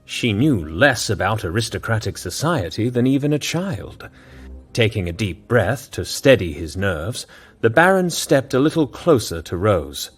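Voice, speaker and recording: A man narrating an audio drama in a measured storytelling manner. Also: lowish voice, very animated, husky, faint music behind.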